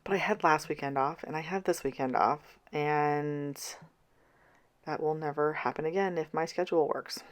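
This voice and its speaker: A woman in her thirties chatting casually in a vlog, tired, her voice scratchy and hoarse, going out as she talks. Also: sits low, moderate pace. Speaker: vlogger. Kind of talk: casual planner vlog chat.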